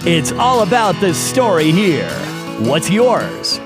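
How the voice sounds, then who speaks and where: A woman's voice: on the low side, big pitch swings, takes it slowly. A woman announcer reading a scripted podcast intro, with plucked guitar music behind the voice. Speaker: show announcer.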